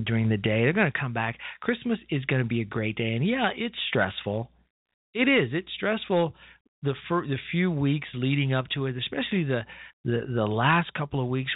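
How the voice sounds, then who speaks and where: A man's voice: mid-range voice, dry recording. Chatty fifties man on a tinny phone line. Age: 50s. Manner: rambling, chatty, self-interrupting with frequent "you know". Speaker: internet talk radio host. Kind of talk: casual talk radio monologue.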